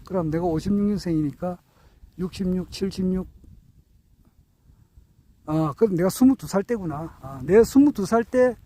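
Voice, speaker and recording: High-voiced older man, hesitant and earnest. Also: dark tone, low-quality recording. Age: 60s. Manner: hesitant, many drawn-out fillers and restarts; earnest, self-correcting while counting out years. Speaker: speaker sharing reflections on his teachers. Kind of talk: reflective spoken talk.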